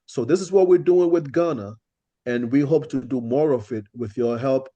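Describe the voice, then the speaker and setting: A man's voice: medium pitch, normal speed, dark tone, lo-fi sound. A man hosting an organization meeting, speaking earnestly and often restarting his sentences. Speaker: host of the meeting.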